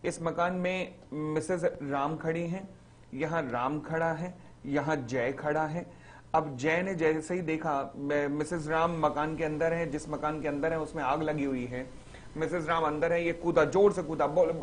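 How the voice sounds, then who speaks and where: A man teaching a recorded exam-revision lecture, acting out little stories and reading definitions slowly, word by word. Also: on the high side, a little hiss or hum. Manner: lively, acts out little stories in the examples.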